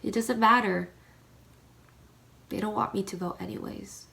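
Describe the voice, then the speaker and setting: A woman giving serious, deliberate scripted narration in a readers theater performance. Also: medium pitch, fairly even intonation, creaky, a bit bright, rough recording.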